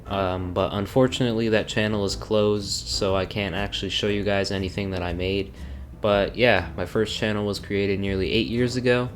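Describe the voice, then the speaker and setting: A young man who sounds bored and flat, narrating a casual Q&A video as a YouTuber. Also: on the low side, normal speed, slight background noise. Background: background music.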